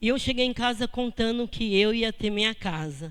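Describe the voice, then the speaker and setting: Her voice is an unremarkable speaking voice with ordinary pitch variation. The woman speaks at a fairly slow pace. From São Paulo, Brazil (born in Bahia, moved at five). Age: 40s. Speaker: housing movement activist and worker-school student. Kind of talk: personal testimony.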